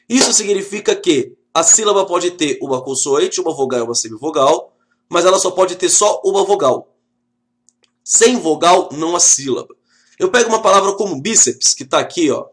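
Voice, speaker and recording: Um professor com sotaque brasileiro dando uma videoaula animada, falando direto com a turma em tom de brincadeira. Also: male voice, on the high side. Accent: Brazilian Portuguese. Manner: lively, joking, talks straight to the class. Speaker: teacher. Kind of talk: video lesson.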